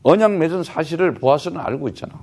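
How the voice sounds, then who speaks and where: A man's voice: fairly high pitch, animated, fast, a little mellow. A man preaching a sermon as a missionary, talking plainly to the congregation and often asking rhetorical questions. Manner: emphatic, rhetorical questions, frequent "huh?" tags; conversational, plain speech to the congregation.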